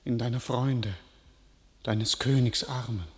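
A man's voice: mid-range voice, fairly even intonation, slow, big-room sound, lightly acted. An actor playing a solemn, grieving nobleman in a classic radio play, speaking in an elegiac way. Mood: moved.

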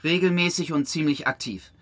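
An actor playing an aggrieved, opinionated environmental activist in a German audio drama, with a sarcastic manner. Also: male voice, fairly high pitch, brisk, a bit bright, natural voice. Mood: sardonic. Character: sardonic, aggrieved male environmental activist, bitter hamster champion.

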